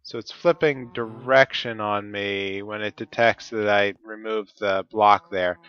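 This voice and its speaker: A man's voice: lowish voice, steady tone, measured pace, clean tone, highs cut off. Stuffy-voiced man narrating his gameplay. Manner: methodical, talks through each step. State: stuffy from a cold. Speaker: Let's Play host. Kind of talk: casual gameplay commentary.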